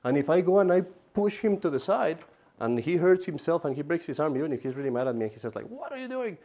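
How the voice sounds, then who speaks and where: Man teaching catechism, mellow voice, animated, repeats himself, dull lo-fi recording. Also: on the high side, quick pace. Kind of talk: adult catechism class.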